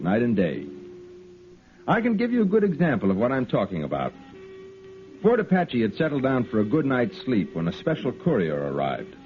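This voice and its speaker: Man voicing a level-headed cavalry officer narrating a vintage radio play, lively inflection, tinny phone-like sound, light music under it. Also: mid-range voice, natural voice. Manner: calm, measured storytelling. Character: steady male cavalry lieutenant, narrator. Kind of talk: 1950s radio drama acting. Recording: tinny old radio broadcast, faint music.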